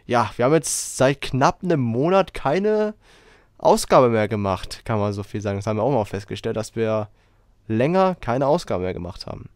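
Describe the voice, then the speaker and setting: A man hosting a casual podcast while he has a cold, talking in a rambling, relaxed way with lots of fillers. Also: medium pitch, normal speed, no room sound, studio quality. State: has a cold, hoarse throat. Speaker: podcast host.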